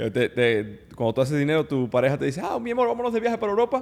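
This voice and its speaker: Talking at a very fast pace, a man with a fairly high pitch swings his voice very widely up and down. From Dominican Republic. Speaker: podcast host. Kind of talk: podcast interview.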